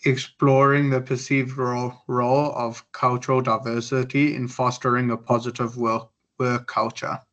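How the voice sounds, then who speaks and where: A man's voice: mid-range voice, flat delivery, moderate pace, hardly any pauses, fairly bright tone, dull audio. A man with a South African accent, speaking politely as a student consulting his lecturer.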